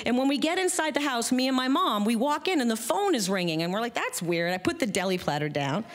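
Animated woman telling a stage story. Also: a little high, quick pace. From Massachusetts, USA. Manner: animated, quotes people in lively voices. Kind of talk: live personal storytelling.

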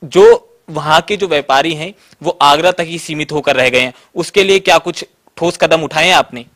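A man's voice: a little high, very animated, normal speed, a bit bright. A man with a Western Uttar Pradesh Hindi accent, a reporter asking long interview questions with "uh" fillers.

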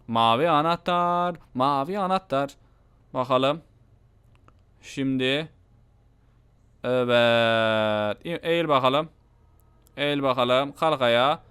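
A man with a Turkish accent doing casual let's-play commentary, excitable, repeating his own phrases and talking to viewers. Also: medium pitch, clear, resonant tone. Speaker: gaming YouTuber.

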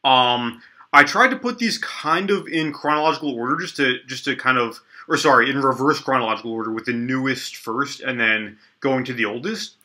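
Bright-voiced young man with allergy sniffles. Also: medium pitch, brisk. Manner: relaxed, lots of ums and restarts, thinks aloud while typing. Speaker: coding tutorial host. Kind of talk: casual screen-recorded coding tutorial. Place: small indoor room at a desk.

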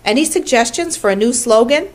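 A woman reading a storybook aloud, voicing a wise, precise female spider who runs a barn meeting in a brisk, tart, schoolmarmish way. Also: a little high, lively intonation, pitched above the performer's own voice, lightly acted.

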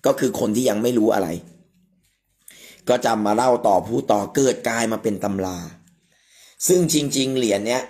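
A man's voice: medium pitch, steady tone, normal speed, pauses often, darkish tone. A man hosting a live stream, explaining the details of an amulet coin in an emphatic, explanatory way with frequent polite particles. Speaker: amulet expert host.

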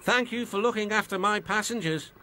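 A man's voice: sits high, fairly quick, noisy background, pitched above the performer's own voice, close to an everyday voice. A man voicing a small, worried male tank engine in a storybook reading, with earnest talk. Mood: anxious. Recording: music playing behind.

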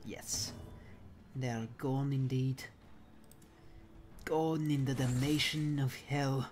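A man's voice: medium pitch, level tone, slow pace, a little mellow, a little hiss or hum. A man giving playful let's play commentary in a theatrical, mock-genteel manner with a put-on accent. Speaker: gamer commentating own play.

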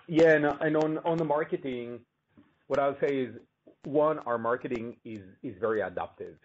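A male company executive giving measured, explanatory answers on an earnings call. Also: medium pitch. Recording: muffled, noisy conference call line with clicks.

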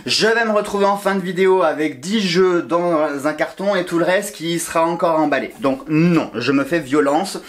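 A man's voice: a little high, normal speed, few pauses. A man vlogging at home while sorting his oracle decks, chatty and enthusiastic, with many fillers and restarts. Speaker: tarot and oracle card YouTuber. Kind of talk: casual vlog talking to viewers. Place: home during a move, sorting boxes.

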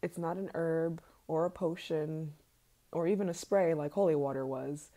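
A woman voicing an obsessive yandere scientist in an ASMR role-play, sweet and sinister, soft-spoken with hesitant pauses. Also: low-pitched, fairly even intonation. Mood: smug, sinister.

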